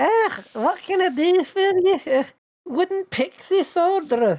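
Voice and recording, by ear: This put-on character voice is extremely high and gruff. It moves at a fairly slow pace.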